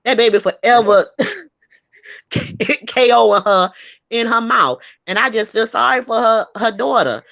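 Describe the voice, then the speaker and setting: A woman hosting a casual gossip chat, talking in an animated, sassy and emphatic way and laughing often. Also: on the high side, takes it slowly, vocal fry, no room sound, muffled recording. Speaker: host.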